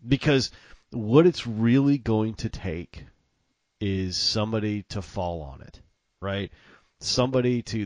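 A man with a Southern American accent talks casually in a fairly deep voice. He is folksy and blunt, like a co-host in conversation, and the sound is dry with little room to it. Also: dry recording. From southern United States, Mississippi and Texas. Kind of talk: casual political chat.

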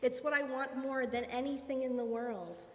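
A woman's voice: high voice, normal speed, roomy sound, big-room sound. A woman voicing an eager, greedy young male monkey in a church children's story. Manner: excited, pleading.

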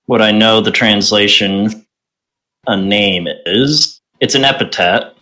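A man narrating as game master of a tabletop game, slow and deliberate. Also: lowish voice, pushed and bright.

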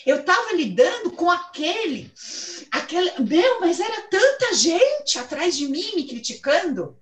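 A woman in her thirties with a Brazilian accent, giving a blunt, animated motivational talk and swearing freely. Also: very high voice, unhurried, echoey room. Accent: Brazilian Portuguese. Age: 30s. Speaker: host and coach.

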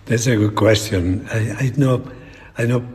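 A very old man with a Spanish accent, talking reflectively in an interview in halting, broken English with repeated words. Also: on the low side, a little mellow. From Spain. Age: elderly. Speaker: painter being interviewed. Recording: long echoing reverb in a hall.

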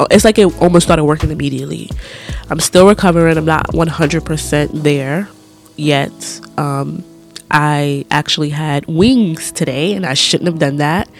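A congested, stuffy-nosed podcast host talking through a relaxed personal monologue. The delivery rambles, candid and loose, with plenty of "um" and "like" fillers, at a middling pitch. Soft music sits faintly underneath.

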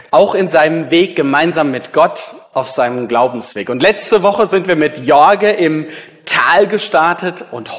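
A pastor man delivers a sermon in an unhurried, deliberate way, pausing for effect and asking the congregation rhetorical questions. His voice sits a little higher than usual for a man. A long church reverb trails after each phrase. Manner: storytelling, dramatic pauses, rhetorical questions.

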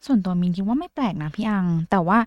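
A woman's voice: medium pitch, lively intonation, fast talker, dry recording, muffled recording. A woman co-hosting a talk show, friendly, sharing her own experiences. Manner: friendly, shares personal examples. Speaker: co-host. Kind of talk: scripted conversational podcast.

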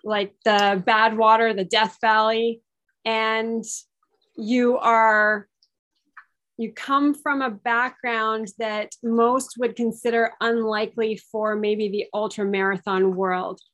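A woman's voice: a little high, flat delivery, takes it slowly, fairly bright tone. A woman hosting a podcast interview, introducing her guest with friendly, self-deprecating asides. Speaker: podcast host, performance coach.

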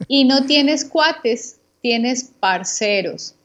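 A Colombian woman, a guest teacher, calmly contrasting words and giving examples for Spanish learners. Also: high voice, drawn-out words, muffled recording. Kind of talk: slow didactic conversation for learners.

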